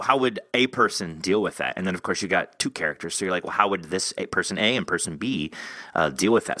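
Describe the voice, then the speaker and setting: A podcast host with a low, bright and forceful voice interviews an author in a loose, informal, rambling style, padding his sentences with filler and lots of "you know." The sound is studio quality, with no room sound.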